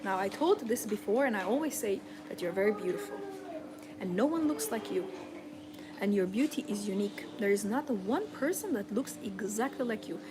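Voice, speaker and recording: A woman's voice: mid-range voice, lively intonation, moderate pace. A woman coaching her audience in a motivational seminar, earnest and repetitive, with non-native English phrasing. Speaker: femininity and lifestyle coach. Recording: audible background noise.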